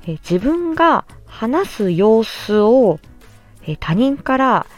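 On her podcast, a woman who is a speech-language-hearing therapist explains a subject courteously, pausing in a measured way and using lots of fillers. Her voice sits on the high side with a sing-song lilt, and faint music plays behind.

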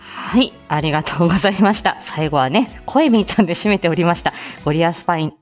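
A woman's voice: lowish voice, lively intonation, quick pace, soft background music. A woman hosting her weekly morning live stream as a speech therapist, chatting in a flustered way with many fillers and little laughs. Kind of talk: casual solo live stream.

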